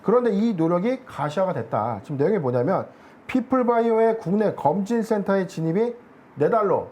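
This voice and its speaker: Man analyst on a stock show, steady explaining tone, lots of filler words. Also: high-pitched, moderate pace. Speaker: stock market analyst guest.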